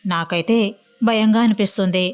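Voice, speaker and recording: A woman's voice: medium pitch, normal speed, smooth, soft background music, close to an everyday voice. A woman voicing a cautious, nervous young woman friend, hesitant and coaxing. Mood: worried.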